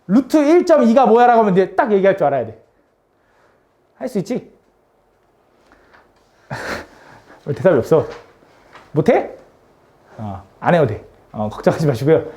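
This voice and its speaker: Woman math teacher in class, voice jumps up and down a lot, kinda mellow tone, teasing kids. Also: mid-range voice. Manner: teasing, coaxing students with frequent tag questions.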